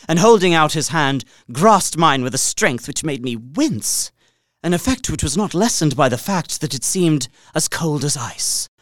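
A man's voice: medium pitch, no room sound, clean studio sound, close to an everyday voice. An actor playing an earnest young solicitor, narrating his journey formally in a dramatised Gothic story. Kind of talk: dramatic first-person literary narration.

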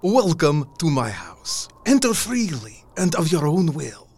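An actor playing a tall old vampire count in an audio drama, husky, formal and stately in his courtesy. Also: fairly high pitch, very animated, a little slow, a little hiss or hum. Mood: solemn welcome.

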